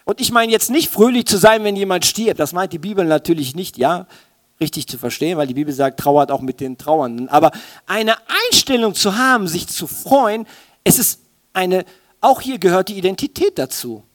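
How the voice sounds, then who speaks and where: A man's voice: high voice, expressive, moderate pace. A man preaching a sermon in an informal, colloquial way, animatedly speaking straight to his listeners. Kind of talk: sermon in informal youth language.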